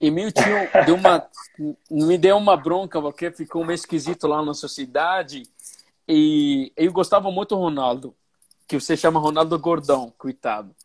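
This man talks at a moderate pace with a fairly high pitch, ordinary pitch variation, and long, frequent pauses. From Syria, Aleppo. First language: Arabic (speaking Portuguese). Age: 30s. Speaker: refugee activist and speaker. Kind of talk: interview testimony. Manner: halting, many fillers.

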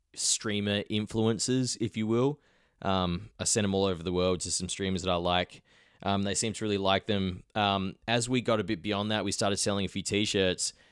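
Speaking with an Australian accent, a man keeps a moderate pace and fairly even intonation in a very clean recording with a silent background. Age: 30s. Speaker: podcast host, former streamer. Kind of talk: casual solo podcast chat.

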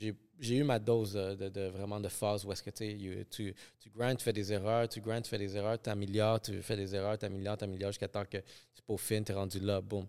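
A man's fairly low, monotone, flat voice at a fairly quick pace, in a very clean recording over a silent background. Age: 30s. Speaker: podcast host. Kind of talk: casual chat.

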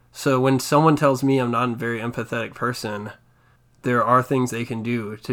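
A quiet man's voice at medium pitch, fairly quick in pace with fairly even intonation, on a very clean recording with a silent background. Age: 20s. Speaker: host's younger brother. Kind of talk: casual chat. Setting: recording at home in an office. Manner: quiet, reserved.

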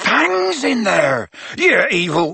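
Sitting at a middle pitch, the speaker uses a put-on character voice. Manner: bellowing.

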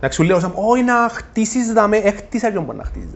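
Here a man with a Cypriot accent and a high pitch speaks at a fairly quick pace with lively intonation. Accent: Cypriot Greek. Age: 30s. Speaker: podcast host. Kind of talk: casual interview. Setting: livestream from home.

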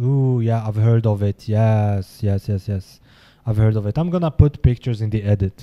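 With an Algerian accent and a dark, mellow tone, a man talks at a moderate pace with ordinary pitch variation, recorded very cleanly against a silent background with a dry, close sound and no echo. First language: Algerian Arabic. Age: 20s. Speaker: podcast host. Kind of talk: casual chat.

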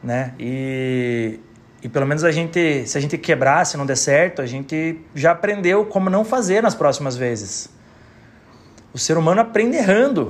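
Intonation here is lively, at a moderate pace. It is an unremarkable speaking voice. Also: man, fairly high pitch for a man. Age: 30s. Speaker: entrepreneur. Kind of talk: personal storytelling monologue. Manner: casual.

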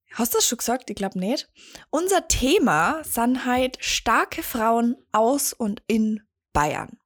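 On a very clean recording with a silent background and a dry, close sound with no echo, a woman with a high pitch speaks at a very slow pace, making very wide pitch swings. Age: 20s. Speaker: podcast host. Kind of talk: casual chat.

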